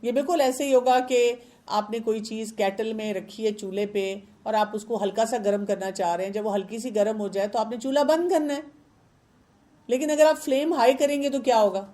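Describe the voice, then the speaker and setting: A woman's voice: a little high, dark tone. A woman with a Pakistani Urdu accent, a parenting expert who explains with everyday examples and questions, mixing English words into her talk.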